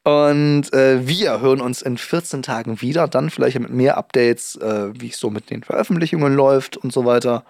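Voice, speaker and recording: A man's voice: medium pitch, moderate pace, gravelly, few pauses, a little mellow, no room sound. Young guy rambling on a podcast, lots of ähms, dry close sound. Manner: chatty, rambling with many fillers and restarts. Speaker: podcast co-host. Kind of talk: casual chat.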